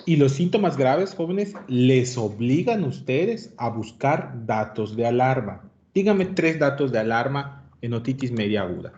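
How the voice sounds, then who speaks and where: A man's voice: mid-range voice, animated, a little slow, few pauses, darkish tone. Man lecturing students in a dull recording. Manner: questions students, addresses them as "jóvenes". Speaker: medical lecturer. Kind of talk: interactive class lecture.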